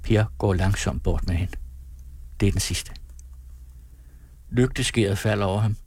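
Husky low-voiced male storyteller. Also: a little mellow. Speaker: audiobook narrator. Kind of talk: scripted narration.

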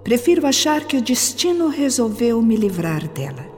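Radio drama role: cold young Brazilian woman, dark mellow tone, self-justifying inner monologue in long reverb. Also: a little high, big pitch swings, normal speed, a little hiss or hum. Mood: defensive, subdued. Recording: long reverb, music behind.

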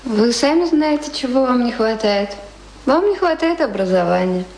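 An actress playing a refined, educated young woman in a radio drama, speaking properly with an admiring, gently instructive manner. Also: a little high, expressive, normal speed, echoey room, a little hiss or hum.

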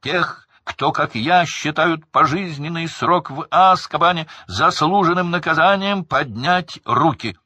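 A man voicing a stern, hateful middle-aged magistrate who shouts his sentence at the accused. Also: deep voice, expressive, moderate pace, dry recording, full character voice. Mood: shouting.

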